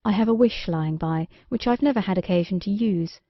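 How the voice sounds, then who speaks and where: A woman voicing a kindly, sensible fairy-tale king and fond father in a measured, gently authoritative way. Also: medium pitch, no room sound, muffled recording, natural voice. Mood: tender, reassuring. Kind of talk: storybook character dialogue.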